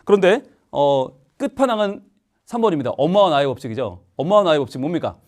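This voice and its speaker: A man's voice: fairly high pitch, fast. A male pastor giving a playful children's sermon, asking the children lots of questions. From Korea. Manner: playful, animated storytelling with questions to the audience.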